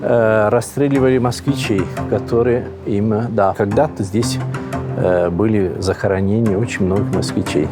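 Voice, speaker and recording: A man who is not a Russian speaker, a priest answering interview questions in a slow, thoughtful way with frequent pauses. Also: lowish voice, steady tone, music in the background. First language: Italian. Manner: unhurried, thoughtful, frequent hesitations. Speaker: Orthodox priest and monk, interview guest. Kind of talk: reflective conversational answers.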